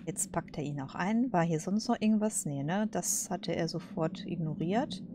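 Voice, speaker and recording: A woman's voice: on the low side, moderate pace, background noise. A woman doing casual let's play commentary, colloquial and hesitant as she thinks aloud.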